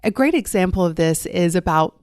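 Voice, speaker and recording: A woman hosting her own life coaching podcast, speaking in a warm, effusive and encouraging way. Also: on the low side, expressive, brisk, no echo, clean studio sound. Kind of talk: podcast monologue. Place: recorded while traveling abroad.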